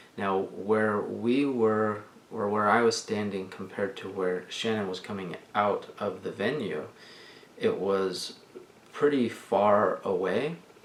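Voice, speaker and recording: Speaking at a very slow pace, a man with a fairly low pitch is heard over noticeable background noise. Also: ordinary pitch variation. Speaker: vlogger. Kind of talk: storytime vlog monologue. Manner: halting, many fillers.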